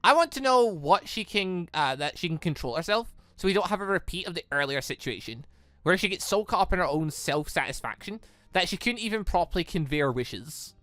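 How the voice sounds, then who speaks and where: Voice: medium pitch, expressive, fairly quick, a bit bright, no room sound, close to an everyday voice. A gaming YouTuber reading out the part of a guarded, bossy young woman in a visual novel who speaks bluntly, with music behind. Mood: grudging.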